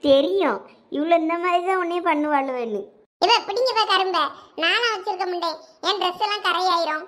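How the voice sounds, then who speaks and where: High, bright Thoothukudi village woman. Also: a little fast. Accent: Thoothukudi Tamil. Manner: scolding, lively village banter. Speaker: cartoon narrator voicing village women. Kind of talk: cartoon voice acting.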